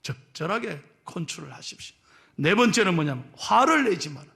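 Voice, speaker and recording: A middle-aged male pastor with a Gyeongsang accent, preaching a sermon in a joking, lively way and teasing his congregation. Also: sits high, moderate pace, creaky. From Gyeongsang region of Korea. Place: church sanctuary.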